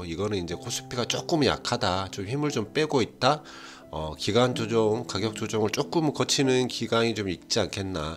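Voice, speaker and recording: A man speaks at medium pitch with lively intonation. His pace is moderate. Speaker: stock market commentator. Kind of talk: market commentary. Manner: casual, hesitant fillers.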